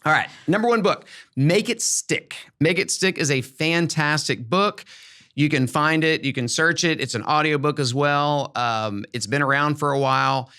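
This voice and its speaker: A man's voice: fairly high pitch, normal speed, bright, forceful tone, clear, resonant tone. A middle-aged American man hosting a podcast in a conversational style, explaining things in an upbeat, emphatic way. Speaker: podcast host, former school principal. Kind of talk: conversational educational podcast talk.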